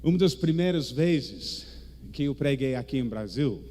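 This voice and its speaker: A male preacher with an English-speaking foreign accent, delivering a theatrical charismatic sermon in halting, non-native speech. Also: mid-range voice, lively intonation, dark tone. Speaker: guest preacher. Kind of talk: charismatic sermon in Portuguese as a second language.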